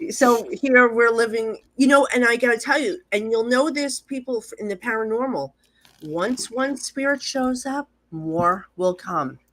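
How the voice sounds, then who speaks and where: At a fairly slow pace, the speaker uses lively intonation in a New Jersey accent. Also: woman, high pitch for a woman. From New Jersey, Hoboken. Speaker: psychic medium and magazine publisher. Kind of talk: podcast interview. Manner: animated.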